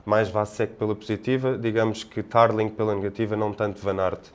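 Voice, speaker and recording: A man with a European Portuguese accent giving casual sports analysis as a podcast panelist, in a halting, discursive manner. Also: lowish voice, flat delivery, clean tone.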